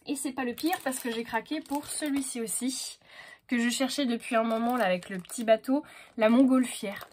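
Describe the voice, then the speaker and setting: A woman's voice: a little high, a little mellow, slight background noise. A woman chatting casually as she unboxes craft stamps, hesitant and full of fillers, talking to herself as she sorts things. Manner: talks to herself while sorting items. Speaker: crafting vlogger.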